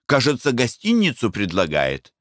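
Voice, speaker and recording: A man voicing a fussy, impatient merchant's wife in an audiobook, pushing his voice up high and shrill. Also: huge pitch swings, moderate pace, fairly bright tone, dry recording, studio quality. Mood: dismissive.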